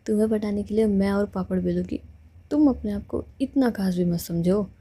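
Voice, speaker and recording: A woman's voice: mid-range voice, normal speed, warm tone, husky, natural voice. A woman voicing a playful young woman in love who teases her girlfriend in a told love story. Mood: teasing. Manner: teasing, joking.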